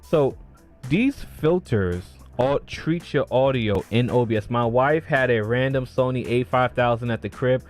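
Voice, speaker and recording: A man's voice: mid-range voice, unhurried, faint music behind. A man hosting a late-night live stream, chatting loosely about his streaming gear and answering viewers from the chat. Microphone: streaming mic with audio filters.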